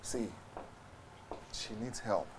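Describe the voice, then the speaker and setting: A man's voice: takes it slowly, noisy background, natural voice. An actor with a Nigerian accent playing a cornered husband who stammers and pleads with his angry wife. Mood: pleading. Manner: pleading, stammering, mixing Yoruba and English.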